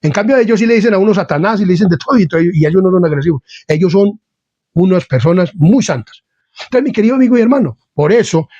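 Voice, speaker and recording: A man with a high voice for his sex preaches an informal sermon straight to his viewers, blunt and hard in delivery, and he keeps calling his listener dear friend and brother. The sound is dry and close, with a slightly dull, lo-fi tone. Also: dry recording. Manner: insists he is not angry while speaking forcefully. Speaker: lay preacher. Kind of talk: informal sermon to an online channel.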